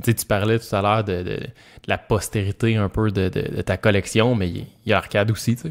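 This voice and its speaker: A man's fairly low-pitched voice, a plain, everyday voice, at a fairly quick pace with fairly even intonation, on a very clean recording with a silent background. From Quebec, Joliette. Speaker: podcast host. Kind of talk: casual chat.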